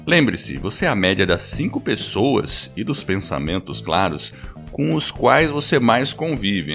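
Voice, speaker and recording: Animated low-voiced male podcast host. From United States. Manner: lively, animated delivery with quick laughs. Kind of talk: casual podcast chat.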